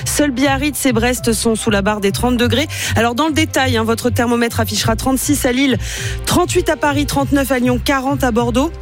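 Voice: medium pitch, brisk, faint music behind. A weather presenter giving a live radio forecast fluently, with small spoken fillers.

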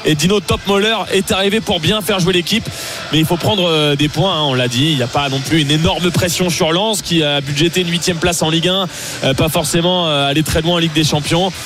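High-voiced man reporting live on football. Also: a little fast, music in the background. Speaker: match correspondent.

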